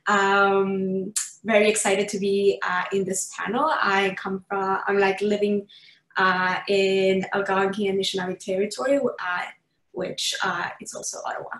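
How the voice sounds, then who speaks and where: A woman's voice: medium pitch, steady tone, a little slow, fairly bright tone. Woman from Ecuador, echoey video call. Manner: hesitant, many fillers and restarts. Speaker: panelist, student organizer. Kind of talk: online panel talk.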